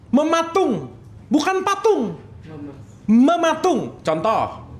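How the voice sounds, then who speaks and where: A man leads a casual religious study session. His voice sits high for a man and leaps about with animated swings in pitch. He teases and keeps checking in with his listeners. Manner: playful, lively, asks the audience often. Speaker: religious teacher.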